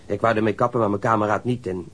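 A surly young sailor in a radio crime drama, his voice low and husky. He talks in a coarse, sullen, defensive way and tends to stammer when riled. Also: fairly even intonation, quick pace, a bit bright. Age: young adult. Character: surly, defensive young male sailor, a ship's stoker under questioning.

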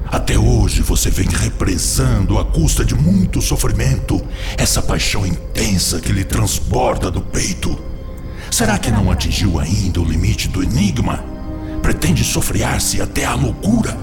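Cunning tempter spirit, wildly swooping delivery. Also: male voice, fairly low pitch. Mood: scornful goading. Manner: insistent, theatrical, persuasive, sententious. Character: seductive, cunning male obsessing spirit, lustful tempter. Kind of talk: radio drama acting. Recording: music behind the voice.

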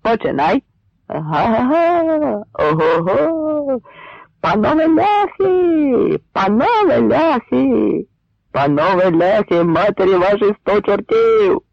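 A man voicing a rowdy band of Cossacks who chant slow, drawn-out taunts. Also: high-pitched, sing-song, vocal fry, no room sound, muffled recording, pitched above the performer's own voice, full character voice. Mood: mocking.

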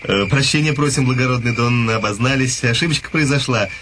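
An actor playing a cringing, ingratiating stormtrooper in a radio drama, apologetic and evasive. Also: male voice, medium pitch, brisk, close to an everyday voice. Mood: fawning. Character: cringing stormtrooper officer, fawning, evasive bully. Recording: old radio play with background noise.

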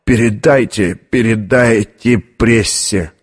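A cold, hard director, read by a man, delivers slow and curt lines in an audiobook. The voice stays close to the reader's own. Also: fairly low pitch, animated. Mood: hoarse whisper.

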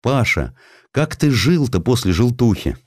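A man's voice: mid-range voice, very animated, a little slow, dry recording, clean studio sound, pitched above the performer's own voice. A man voicing a loyal middle-aged lawyer who speaks earnestly and consolingly to a friend in an audiobook story. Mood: tearful concern.

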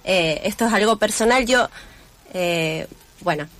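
A woman's voice: medium pitch, a little slow, fairly bright tone. A woman guest in a radio studio, talking in a thoughtful, hesitant way with many fillers. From Mexico-born, Chilean family. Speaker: theater cast member guest. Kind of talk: casual radio conversation.

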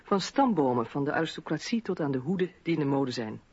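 Husky admiring salon hostess. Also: female voice, sits low, lively intonation, fast, a little mellow, no echo, highs cut off. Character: Julie de Lespinasse, admiring 18th-century French salon hostess. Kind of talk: radio documentary drama, reading a letter.

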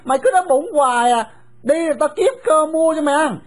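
A woman's voice: sits high, fast talker, voice pushed up, close to an everyday voice. A woman voicing a cheerful, bold young orphan boy who teases his friend. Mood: cheerful, eager. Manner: teasing.

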